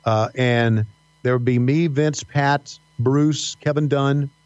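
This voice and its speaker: A middle-aged man with a faint Southern American accent, telling stories as a podcast guest, halting with many fillers and restarts. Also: mid-range voice, steady tone, a little mellow, smooth, no room sound. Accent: slight Southern American. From Virginia mountains. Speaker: podcast guest, wrestling announcer. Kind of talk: casual interview storytelling. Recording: dull dry podcast audio.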